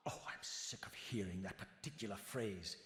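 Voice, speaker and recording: An actor playing a proud, scornful undead spirit of vengeance in a video game, speaking with sardonic, theatrical precision. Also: male voice, fairly low pitch, normal speed, fairly bright tone, lightly acted. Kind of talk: dramatic video game voice acting. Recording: echoey long reverb, game music behind.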